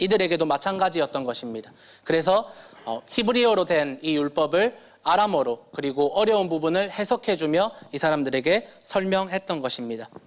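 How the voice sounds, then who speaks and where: A man with a Busan accent, high in pitch, at a moderate pace with lively intonation. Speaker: assistant pastor. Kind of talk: sermon. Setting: church. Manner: formal.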